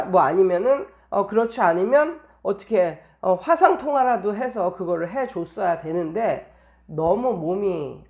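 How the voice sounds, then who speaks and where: A woman's voice: medium pitch, a little mellow. A woman tutor talking casually in an anecdotal monologue, explaining things and repeating phrases for emphasis. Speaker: private English tutor giving teaching tips.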